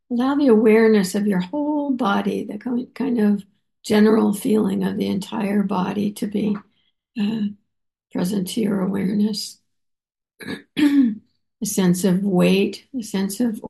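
A woman meditation teacher leading a guided meditation, unhurried and halting, with many soft pauses and fillers. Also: medium pitch, creaky. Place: meditation center.

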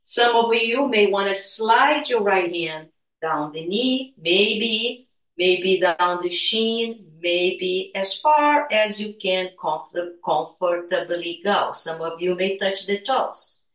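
A woman teaching guided meditation and gentle movement in a soothing, unhurried, spiritual healer-like manner. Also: mid-range voice. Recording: echoey room, distant from mic.

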